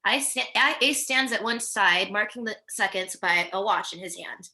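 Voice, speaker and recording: A woman's voice: mid-range voice, moderate pace, pushed and bright. A woman reading stage directions as scripted narration at a virtual table read.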